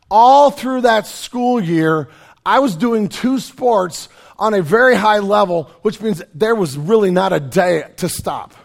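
A middle-aged man, preaching a sermon in a conversational, self-deprecating way with joking asides, his voice raspy and hoarse from a cold. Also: high-pitched. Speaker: pastor.

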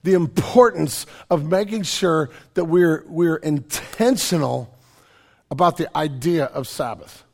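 A middle-aged man, preaching a sermon in a conversational, self-deprecating way with joking asides, his voice raspy and hoarse from a cold. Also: fairly high pitch, a little slow. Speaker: pastor.

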